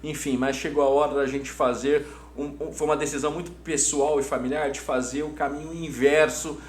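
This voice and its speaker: A man's voice: on the high side, little pitch movement, fairly quick. A middle-aged Brazilian man answering conversationally as an interview guest, enthusiastic and emphatic, often repeating his words. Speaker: interview guest, hotel business executive. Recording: roomy echo, audible background hum.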